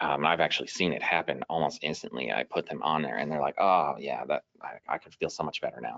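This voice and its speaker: A man speaks with a very deep, low pitch and vocal fry. His pace is moderate and his intonation fairly even. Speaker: EMS instructor. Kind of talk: conference presentation.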